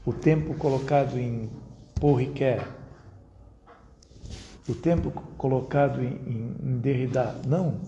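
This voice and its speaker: A man's voice: medium pitch, gravelly, dark tone, dull audio. Man lecturing in an echoey hall. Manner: measured, rhetorical, addresses the audience directly. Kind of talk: academic lecture to an audience. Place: university lecture room. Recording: roomy echo, faint background noise.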